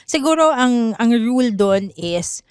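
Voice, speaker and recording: A woman's voice: fairly high pitch, expressive, slow, a little mellow, smooth, no room sound, clean studio sound. A woman with a Filipino accent co-hosting a podcast in casual chat, laughing often and acting out quotes. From Philippines. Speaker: podcast co-host.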